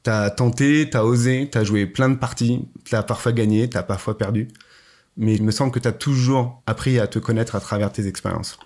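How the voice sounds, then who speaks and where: A man's voice: medium pitch, normal speed, a little mellow. A man hosting a podcast, asking questions in a friendly, informal way with many fillers. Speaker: podcast host. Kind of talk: casual interview.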